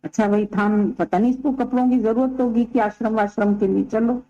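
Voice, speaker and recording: A woman spiritual teacher telling a story at a devotional gathering, in an unhurried, folksy way with quoted dialogue. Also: a little high, steady tone, warm tone, lo-fi sound. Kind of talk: storytelling discourse at a satsang.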